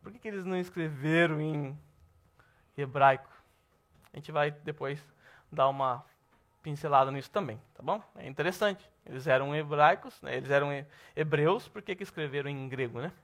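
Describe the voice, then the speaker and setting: A Brazilian man teaching a Bible class at church, lively and asking the class questions. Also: on the high side, normal speed. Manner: lively, asks the class questions, says "tá bom?" often.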